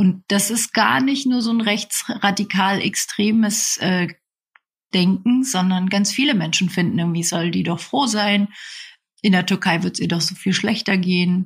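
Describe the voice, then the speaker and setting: Somewhat breathy, a woman speaks at a fairly slow pace, her medium pitch showing ordinary variation. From Germany, Nuremberg. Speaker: journalist and author. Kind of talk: interview.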